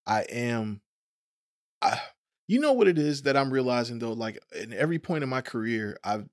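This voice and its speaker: A man's voice: mid-range voice, sing-song, moderate pace, no echo, clean studio sound. A man with an African American accent chatting casually, laid-back and slangy, often affirming the other speaker. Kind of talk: casual chat.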